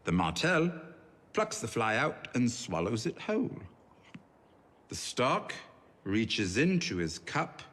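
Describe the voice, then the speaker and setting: A wry, witty lord. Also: male voice, mid-range voice, sing-song, takes it slowly, pauses often, fairly bright tone, big-room sound, exaggerated voice. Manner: wry, theatrical storytelling. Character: witty, wine-loving male lord advisor.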